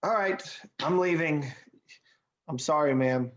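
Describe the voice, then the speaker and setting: A woman's voice: low-pitched, slow pace, muffled recording. A woman playing a laid-back, bewildered male slacker in a table read, drawling and laconic. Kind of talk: amateur virtual table read.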